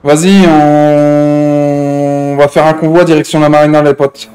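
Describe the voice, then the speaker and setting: A man's voice: on the high side, flat delivery, measured pace, warm tone, rough recording. A man streaming online game roleplay in character, brash and slangy, swearing often and repeating a verbal tic. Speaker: streamer playing a GTA roleplay gang member. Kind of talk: in-character gaming roleplay chat.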